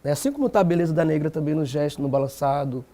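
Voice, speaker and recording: Brazilian male activist, high mellow tone, emphatic, fond of rhetorical questions. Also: expressive, rapid-fire. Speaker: black movement activist guest. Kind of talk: TV panel debate.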